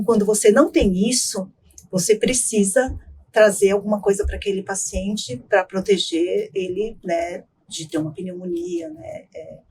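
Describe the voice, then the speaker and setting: A woman doctor, a voice specialist, explaining things calmly in a podcast interview and often ending with tag questions. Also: medium pitch, slight background noise, low-quality recording.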